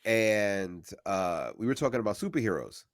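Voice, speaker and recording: Male co-host, mid-pitched, energetic storyteller who acts out quotes, stammers a bit; dry close mic. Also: normal speed, no echo. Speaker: podcast co-host. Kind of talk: casual chat, storytelling.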